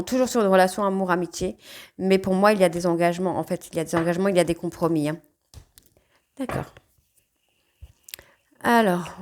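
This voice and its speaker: A woman's voice: lowish voice, darkish tone. A woman with a light northern French ch'ti accent reads tarot cards aloud. She talks in a loose, conversational way and drops a "hein" at the end of many phrases. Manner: chatty, frequent "hein" tags. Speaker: tarot card reader. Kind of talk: casual spoken tarot reading.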